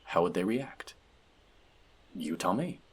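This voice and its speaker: A man's voice: low voice, expressive, slow pace, slightly rough, exaggerated voice. A man playing an earnest, bookish elf outcast in an audio roleplay, confiding in a friend in a hesitant, self-doubting way. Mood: teasing, concerned. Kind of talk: scripted audio roleplay addressed to the listener.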